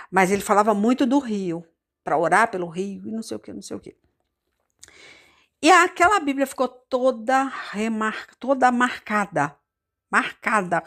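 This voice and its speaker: A woman missionary from Rio de Janeiro with a Carioca accent, giving an informal sermon mixed with personal testimony. She talks in a conversational way, repeats words and turns to the congregation with frequent asides. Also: fairly high pitch. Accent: Carioca Brazilian Portuguese. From Rio de Janeiro, Brazil. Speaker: missionary preacher.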